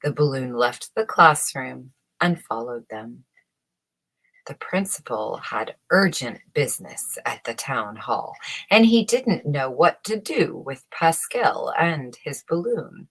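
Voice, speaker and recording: A woman reading a children's bedtime story aloud in a measured, expressive way, with a husky voice. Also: rumbling low. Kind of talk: scripted bedtime story narration.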